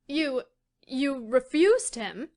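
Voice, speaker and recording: A woman voicing a lively young woman who exclaims in disbelief. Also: very high-pitched, slow pace, pitched above the performer's own voice, exaggerated voice. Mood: astonished.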